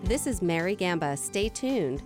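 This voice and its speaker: A woman co-hosting a studio talk show, animated and candid, often laughing. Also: lowish voice, measured pace, over loud music. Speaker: co-host.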